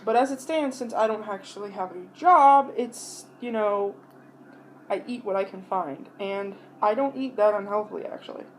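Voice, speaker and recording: A woman vlogger rambling casually to her viewers while she eats, pausing to chew between bites, with blunt, sweary talk. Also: mid-range voice, a little hiss or hum, low-quality recording. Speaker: mukbang vlogger.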